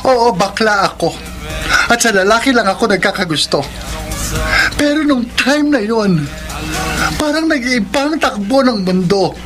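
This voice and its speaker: An actor playing an anguished young gay best friend in a radio melodrama, pleading emotionally with a Filipino accent. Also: male voice, sits high, lively intonation, a little slow, pauses often, music in the background. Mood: anguished, confused. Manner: pleading, emotional, mixes Tagalog with English. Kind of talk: melodramatic radio drama acting.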